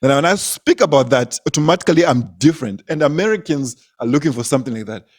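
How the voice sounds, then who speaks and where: A man's voice: a little high, expressive, quick pace. A young man from Zimbabwe, a comedian, telling stories in casual conversation, laughing often and repeating words as he goes. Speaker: comedian, guest.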